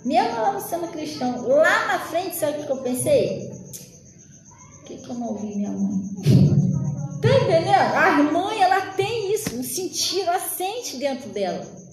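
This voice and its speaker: A woman's voice: very high voice, big pitch swings, a little slow, roomy sound, crowd noise, low-quality recording. A woman in her late thirties giving an informal, chatty sermon, often turning to address her listeners directly. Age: 30s. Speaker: preacher.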